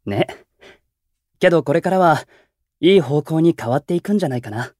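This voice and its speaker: An actor playing a calm, gentle young male idol who keeps the peace in a Japanese voice drama, speaking politely and with composure. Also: on the high side, fairly quick, dry recording, clean studio sound. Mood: friendly. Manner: soft-spoken, composed, polite and reflective. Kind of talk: Japanese anime-style voice drama acting.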